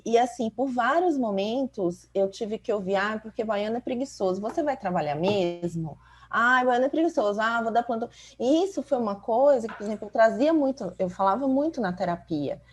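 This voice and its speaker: A doctor from Salvador in Bahia, Brazil, chats casually as a podcast co-host, her Bahian Portuguese accent clear as she reflects and tells stories. She leans on the tag "né?" often, and her voice is on the high side.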